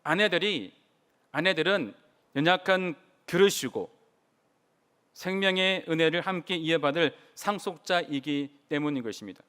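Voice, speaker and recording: Male preacher with a high, clear voice, giving an earnest sermon in a church sanctuary. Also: animated, moderate pace, a bit bright. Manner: earnest preaching, asks the congregation questions. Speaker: pastor.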